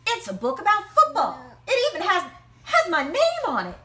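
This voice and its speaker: A woman voicing an eager young boy from a children's storybook, calling out with excitement. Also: extremely high pitch, normal speed, voice pushed up, full character voice. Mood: thrilled. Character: eager boy dreaming of football fame, storybook.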